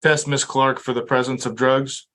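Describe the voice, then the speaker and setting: A man speaking as a prosecutor in a courtroom recording, with formal, deliberate legal phrasing. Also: mid-range voice, flat delivery, fairly bright tone.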